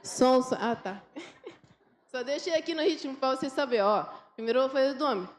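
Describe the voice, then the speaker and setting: A woman's voice: sits high, animated, normal speed. A Brazilian woman missionary teaching a congregation a song, chanting and clapping out the rhythm as she demonstrates. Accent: Brazilian Portuguese. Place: church sanctuary. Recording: echoey church room, faint noise.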